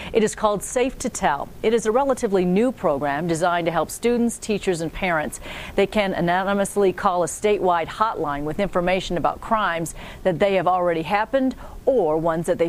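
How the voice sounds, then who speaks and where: An American woman anchoring a local newscast in a polished, formal, scripted newsreader delivery. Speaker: TV news anchor. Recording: clear background noise with low rumble.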